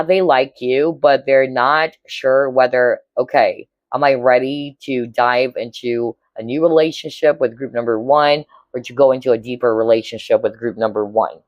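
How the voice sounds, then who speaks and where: A woman with a hoarse, cracking voice giving a casual tarot reading to viewers, chatty and often checking in with her listeners. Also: a bass voice, no echo, muffled recording. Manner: chatty, keeps checking in with "all right?" and "okay?". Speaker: tarot reader.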